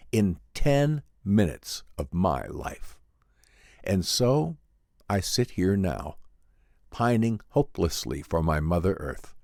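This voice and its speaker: A despairing space traveler, lost eons from home, as performed by a man, tells his tale in a low, dry-recorded voice. The delivery is theatrical and anguished, swinging widely in pitch like classic sci-fi radio drama. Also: a little mellow, dry recording. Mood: mournful resignation. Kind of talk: dramatic first-person sci-fi audiobook narration, old-time radio drama.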